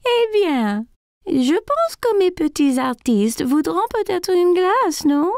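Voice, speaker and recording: A woman voicing a patient, encouraging mother figure in a children's cartoon, gentle and coaxing with a singsong delivery. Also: very high-pitched, sing-song, slow pace, dry recording, studio quality, heavily acted. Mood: delighted. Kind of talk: children's cartoon dub acting.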